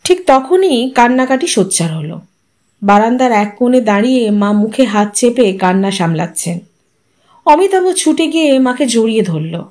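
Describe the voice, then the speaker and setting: A woman narrating a short story aloud in a calm, measured audiobook style. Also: on the high side.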